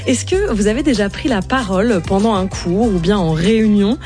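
A woman radio host presenting a culture segment and introducing her guests in a measured way. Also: medium pitch, lively intonation, a little mellow, soft background music. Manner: clear, measured presenter delivery.

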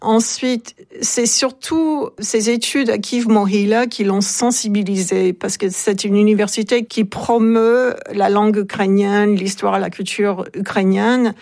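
A woman's voice: mid-range voice, fairly even intonation, measured pace, a little mellow. A woman, the author of a book, telling her subject's story in a radio interview, speaking conversationally with frequent hesitations.

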